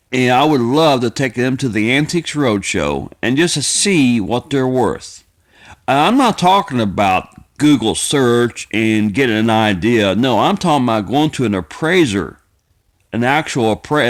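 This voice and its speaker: A man talks in a mid-pitched voice. He rambles in a folksy, homespun way, stopping short and repeating himself as he goes. The delivery is casual and unscripted, like a personal vlog. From United States. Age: 50s. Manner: repetitive, halting, circling back over phrases; folksy, plainspoken. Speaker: video creator.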